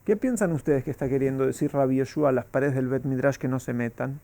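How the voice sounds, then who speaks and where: A man's voice: medium pitch, quick pace, gravelly, mellow, dry recording. A man, a rabbi, teaching a Talmud class and asking his students rhetorical questions.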